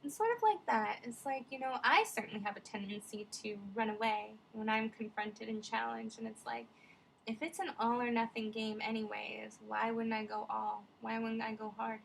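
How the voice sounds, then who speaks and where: A woman's voice: fairly high pitch, fairly even intonation, normal speed, vocal fry, slight background noise, rough recording. A woman vlogger musing in casual, rambling reflective commentary, digressing often with many fillers.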